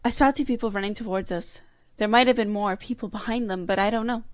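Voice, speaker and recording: A woman's voice: mid-range voice, steady tone, quick pace, no room sound, lightly acted. A woman playing a dry, reluctant young adventurer in an audio drama. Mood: watchful.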